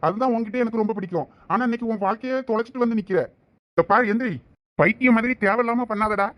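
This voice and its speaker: In cartoon voice acting, a man with an extremely high, slightly bright voice plays a loyal, hot-tempered young friend, speaking fast in a Thoothukudi Tamil accent. He sounds urgent as he scolds and pleads with his friend, recorded with no room sound.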